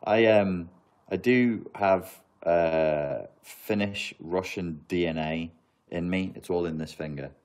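A man's voice: low voice, takes it slowly, a little mellow. A man, chatting casually on a live stream, answering viewer questions in a rambling, joking, self-mocking way.

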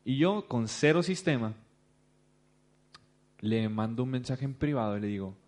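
Medium in pitch and moderate in pace, this man with a Mexican accent is a business speaker addressing an audience. He tells a story in an animated way, acting out the people who appear in it.

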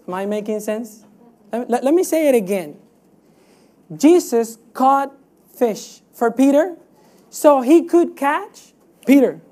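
A woman's voice: sits high, animated, slow pace, long pauses, warm tone. A woman from Cuba preaching a sermon in an emphatic, teaching way, with rhetorical questions and repeated phrases.

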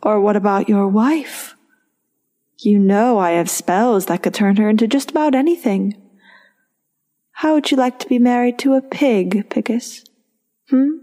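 A woman's voice: medium pitch, measured pace, pauses often, warm tone, natural voice. Woman acting an imperious goddess-sorceress in echoing hall. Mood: vengeful. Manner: imperious, theatrical. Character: proud, wrathful, mocking goddess and scorned sorceress. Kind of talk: audio drama acting.

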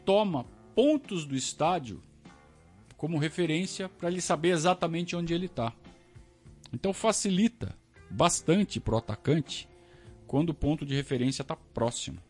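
A Brazilian man hosting a casual live stream, talking to his audience in an animated, ranting way. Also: on the high side, slightly rough. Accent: Brazilian Portuguese. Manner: animated, talks to the audience, rants and self-questions. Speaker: podcast host reading superchats. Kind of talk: casual live-stream chat about football.

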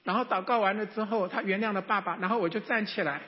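A man's voice: high-pitched, fast. A middle-aged man preaching, telling a personal story with a storytelling manner that rises to fervent prayer. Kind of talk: sermon testimony. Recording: dull echoey hall.

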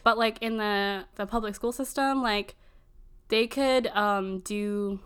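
A woman's voice: medium pitch, fairly even intonation, fairly bright tone, clean tone. Young woman rambling in casual chat. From Virginia, United States. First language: Filipino. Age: early 20s. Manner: rambling, fills every pause with "like". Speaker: conversation partner.

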